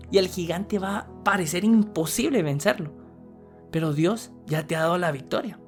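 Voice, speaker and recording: A woman with a Guatemalan Spanish accent gives a motivational sermon, speaking earnestly and directly to the listener with rhetorical questions. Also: fairly low pitch. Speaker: preacher.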